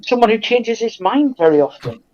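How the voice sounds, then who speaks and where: A man with a notably high voice talks as a guest on a history show. His delivery is conversational and polite, with a hesitant, self-deprecating way of putting points. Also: animated, moderate pace, highs cut off. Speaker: invited guest. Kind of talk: casual history discussion.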